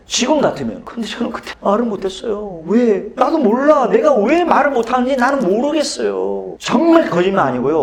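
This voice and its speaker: Animated, dramatic male storyteller. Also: high-pitched. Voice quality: animated, dramatic storyteller who asks the audience questions. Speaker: clinical psychology speech coach and speech instructor. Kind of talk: storytelling lecture.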